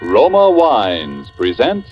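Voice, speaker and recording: A man's voice: mid-range voice, wildly swooping pitch, takes it slowly, soft background music. A man reading a 1940s radio wine commercial in a polished announcer style. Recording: dull old radio broadcast.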